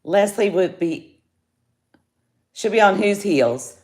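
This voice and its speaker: A woman's voice: medium pitch, animated, slow, darkish tone. A woman chatting casually on a jewelry livestream, greeting viewers by name. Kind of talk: casual live sales chat. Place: home studio, indoors.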